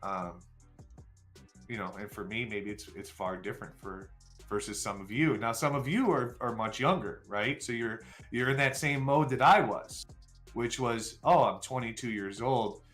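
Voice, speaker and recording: A man's voice: mid-range voice, moderate pace, a bit bright, soft background music. A man in his forties chatting candidly with viewers on a live stream, rambling and self-deprecating, with plenty of fillers. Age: 40s. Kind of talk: casual chat with viewers.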